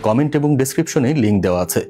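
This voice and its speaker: A male voice-over artist reads a scripted promotional book review in a measured, persuasive, explanatory way. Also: medium pitch, lively intonation, dark tone. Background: faint background music.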